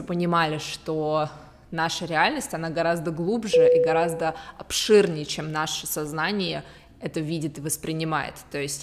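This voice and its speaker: A young woman with a lowish voice talks informally to camera, explaining things in a conversational way. She drops English terms into her native speech as a bilingual speaker. The open living room adds a long reverb around her voice. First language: Russian with English as a second native language. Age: 20s. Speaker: video blogger. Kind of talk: casual explainer to camera, mixing in English words. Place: large open-plan living room indoors. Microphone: desktop condenser microphone.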